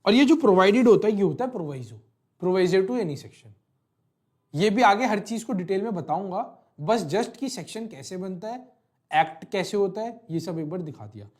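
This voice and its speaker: In an online lecture on a legal text, a man's voice sits high, animated and darkish in tone, at a moderate pace. He explains in Hindi peppered with English legal terms, repeating phrases and checking in with "thik hai."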